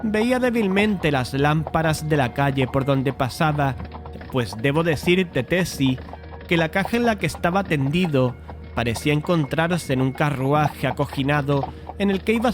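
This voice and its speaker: An actor playing a brooding painter who narrates a macabre tale in a measured, deliberate way, as in a dramatized horror audiobook. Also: male voice, on the high side, animated, over music, lightly acted. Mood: haunted, suspenseful.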